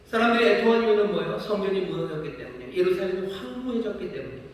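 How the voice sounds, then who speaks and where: Man pastor, sermon, impassioned questioning, fairly high voice, distant mic, big church reverb. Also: lively intonation, fast. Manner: impassioned, voicing God's rebukes in rising questions. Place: large church sanctuary. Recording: echoey hall, distant mic.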